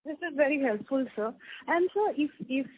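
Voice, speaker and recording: A woman's voice: high voice, lively intonation, normal speed, no echo. A woman with an Indian accent politely asks unscripted questions as an analyst on a conference call. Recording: dry, narrow phone line.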